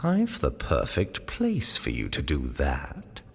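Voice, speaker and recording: A sly, theatrical trickster god in an audio drama, heard in a reverberant hall. The delivery swings dramatically up and down, wordy and pompous, full of teasing mock innocence. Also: male voice, very deep voice, wildly swooping pitch, slow pace, creaky, breathy edge, heavily acted. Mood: smooth, commanding. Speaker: guide of a training adventure.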